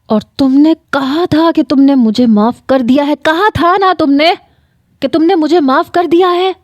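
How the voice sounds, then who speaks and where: A woman's voice: medium pitch, dark tone, no room sound, studio quality, lightly acted. A woman voicing an obsessive, volatile young man in a story read aloud, pleading in agitated outbursts.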